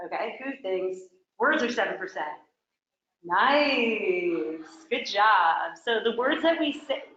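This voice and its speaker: A woman's voice: a little high, a bit bright, reverberant, dull audio. A woman from New York teaching a live real estate workshop, chatty and quizzing her audience. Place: training room with a small audience.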